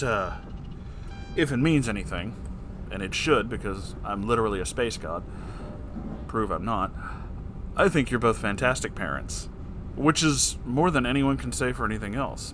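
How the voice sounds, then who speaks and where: Man, mid-pitched voice, casual advice host, rambling, playful, affectionate, self-deprecating, noticeable background noise. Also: fairly bright tone. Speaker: YouTube host answering listener questions. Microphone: off-camera voice recording at a desk.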